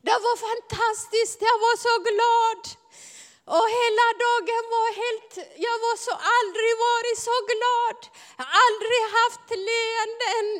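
A woman's voice: very high voice, fairly bright tone. A woman from Ethiopia, giving an impassioned testimony sermon and calling out to her audience. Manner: fervent, rises to calling out to the audience. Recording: long hall reverb.

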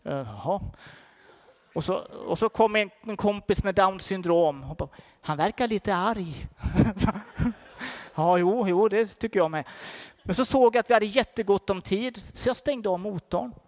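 An older man preaching a sermon, fervent and emphatic, shifting between loud declarations and quiet storytelling. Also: high-pitched. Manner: fervent, rising to emphatic peaks then dropping to soft storytelling.

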